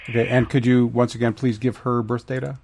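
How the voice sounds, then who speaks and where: A man hosting a podcast, with a hoarse, raspy voice, chatting casually as he interviews a guest. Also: medium pitch, level tone, a little fast, darkish tone, slight background noise. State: hoarse, throat-clearing voice trouble. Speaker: podcast host.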